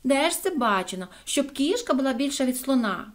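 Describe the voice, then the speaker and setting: A woman voicing a clever, stubborn little female dog in a storybook reading, high and insistent. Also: big pitch swings, a little fast. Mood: indignant.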